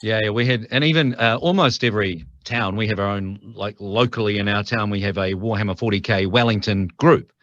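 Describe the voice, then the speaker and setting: A man's voice: lowish voice, a little fast, few pauses, a bit bright, no room sound, lo-fi sound. A middle-aged man with a New Zealand accent, a podcast guest telling stories in a chatty way with frequent restarts. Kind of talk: casual interview chat.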